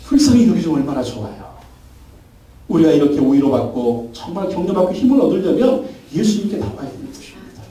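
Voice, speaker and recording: A man's voice: fairly high pitch, sing-song, fairly quick, warm tone. A man preaching a Sunday sermon as pastor, with fervent repeated phrases, recorded in a church. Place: church sanctuary. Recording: echoey church hall from far off.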